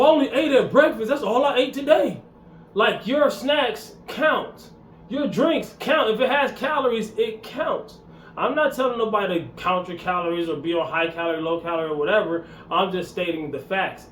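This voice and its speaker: Animated high-voiced man in his forties. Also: moderate pace, roomy sound, faint music behind. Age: 40s. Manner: blunt, repetitive, preachy, animated. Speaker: fitness vlogger. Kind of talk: casual motivational talk to camera.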